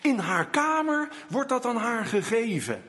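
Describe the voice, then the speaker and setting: Slow, high-pitched preacher in a reverberant hall. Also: male voice, very animated, breathy edge. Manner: slow, emphatic preaching with sudden loud calls. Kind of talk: sermon.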